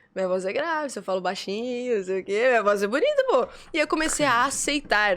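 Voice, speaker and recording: This woman talks at a fairly quick pace. Her tone is animated. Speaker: communication coach. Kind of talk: podcast conversation.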